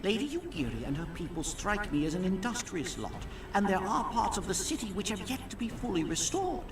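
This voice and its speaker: A woman's voice: mid-range voice, sing-song, a little fast, noisy background, lightly acted. A woman acting an optimistic, approving noblewoman on a council in a fantasy game. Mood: approving, assured. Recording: roomy, distant game audio under music.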